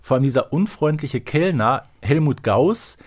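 A man's voice: on the high side, expressive, moderate pace, darkish tone. A man co-hosting a podcast, chatting in a colloquial, informal way. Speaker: podcast co-host. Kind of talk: casual fan podcast chat.

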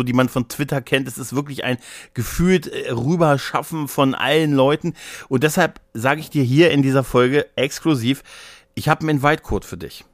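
A man's voice: medium pitch, dry recording. Chatty man with a very dry, close sound. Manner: chatty, rambling, self-interrupting. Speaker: podcast co-host. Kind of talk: casual podcast chat.

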